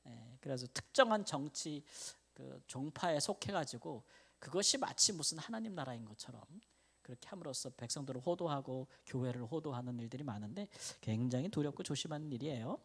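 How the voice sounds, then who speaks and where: A man's voice: medium pitch, lively intonation, fairly quick, husky. A male pastor giving a midweek Bible lecture in a conversational way. He asks the congregation questions and answers them himself. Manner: acts out quoted speech with a raised voice.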